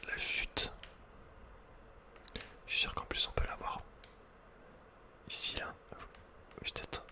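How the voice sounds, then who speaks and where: A man speaks entirely in a soft, breathy whisper. He hosts an ASMR gaming session, murmuring casual running reactions and slangy asides as he plays. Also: slow pace. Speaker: ASMR gaming video host. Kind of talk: whispered ASMR game commentary.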